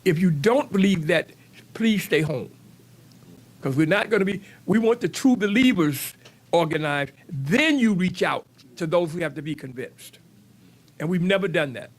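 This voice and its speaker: Man with a high, voice, speaking at a community forum and pressing his points. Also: expressive, normal speed. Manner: repetitive, emphatic, many restarts. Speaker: panel speaker.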